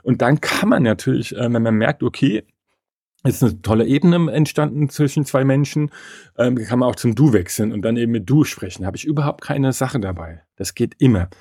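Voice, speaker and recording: A man's voice: medium pitch, animated, brisk, mellow, slightly rough, no echo, clean studio sound. A man being interviewed as an etiquette expert, speaking in an opinionated, emphatic and rambling way. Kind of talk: conversational interview.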